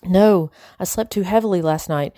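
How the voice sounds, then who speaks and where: A woman's voice: mid-range voice, moderate pace, a little mellow, no room sound, clean studio sound, lightly acted. A woman voicing a fierce, desperate young girl in a storybook, urgent and defiant. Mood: anxious disbelief. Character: fierce, desperate enslaved young girl protecting her sister.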